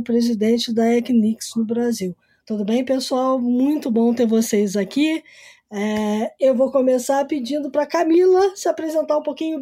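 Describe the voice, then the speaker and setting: Woman podcast host, mellow and husky, higher voice, measured delivery. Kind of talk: scripted podcast intro and interviewing.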